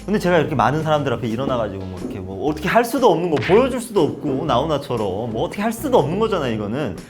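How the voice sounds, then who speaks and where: A man's voice: on the high side, very fast, over music. A young man from North Korea talking casually to camera, telling stories with acted-out quotes. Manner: lively storytelling with acted-out quotes. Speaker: vlogger.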